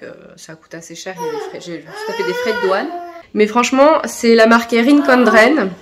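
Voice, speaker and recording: A woman's voice: medium pitch, noisy background. A woman vlogger chatting casually to her followers, with a rambling, self-interrupting way of talking. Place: at home, kitchen.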